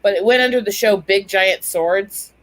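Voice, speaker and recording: A woman's voice: mid-range voice, moderate pace, rough recording. A woman from the Black Hills with an American accent, chatting casually and emphatically, swearing freely. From Black Hills, United States. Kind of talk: casual chat.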